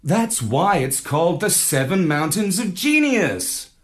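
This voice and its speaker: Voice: medium pitch, very animated, unhurried, voice pushed up. A reader as a boastful space adventurer. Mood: explaining. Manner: cheerful and boastful. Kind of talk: storybook read-aloud.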